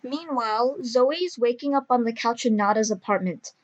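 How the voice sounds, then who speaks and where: A woman narrates an audio drama from a script. Her voice is fairly high as she describes the scene. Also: normal speed, dull audio.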